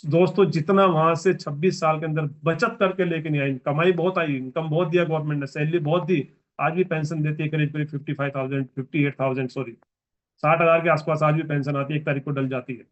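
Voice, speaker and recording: A man's voice: on the high side, fairly even intonation, quick pace, highs cut off. A man in his forties giving a motivational business training speech, emphatic and repetitive as he exhorts the audience. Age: 40s.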